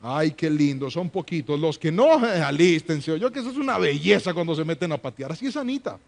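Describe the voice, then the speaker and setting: A man with a notably high voice preaches to a congregation. He builds repeated rhetorical questions and calls for amens and raised hands, mixing personal stories into the sermon. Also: expressive, brisk, creaky. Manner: rhetorical, call-and-response with congregation. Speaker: associate pastor. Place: church before a congregation.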